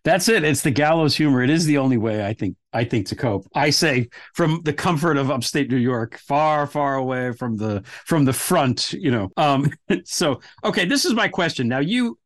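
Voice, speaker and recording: Halting, friendly man hosting a podcast. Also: mid-range voice, expressive. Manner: warm, complimentary, halting with fillers. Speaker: podcast host. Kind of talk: casual interview chat.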